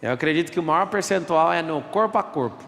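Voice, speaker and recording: A man's voice: fairly high pitch, animated, quick pace, gravelly, a bit bright, big-room sound. A man giving an emphatic motivational talk in an auditorium, taking questions from the audience. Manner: emphatic, rhetorical, quotes people in voices. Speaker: speaker at a live event.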